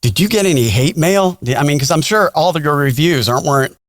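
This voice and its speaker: High-voiced man, chummy podcast host. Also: lively intonation, fairly quick, no echo, clean studio sound. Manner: informal, buddy-like, enthusiastic. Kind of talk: casual interview chat.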